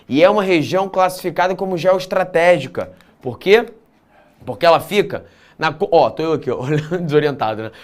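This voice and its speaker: The teacher, a man whose voice is on the high side, gives an exam-prep geography lesson. He explains things clearly, drops in casual asides and relies on frequent tag questions.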